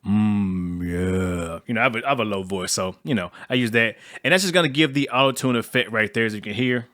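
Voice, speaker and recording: A man with a low voice giving a casual, slangy music-production tutorial, rambling with fillers. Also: brisk, a bit bright. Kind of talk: casual screen-recorded tutorial.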